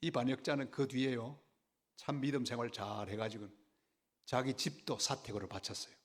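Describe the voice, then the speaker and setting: An older man delivers a sermon as a lively story. His pitch and volume jump sharply for emphasis, then drop back to a plain speaking tone. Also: normal speed. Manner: animated storytelling, dramatic rises in pitch and volume. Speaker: pastor.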